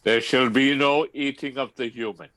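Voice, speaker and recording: A man playing a pompous, easily wounded vampire ex-lover, formal and halting, in a comedy table read. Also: mid-range voice, steady tone, fairly bright tone, no room sound, close to an everyday voice.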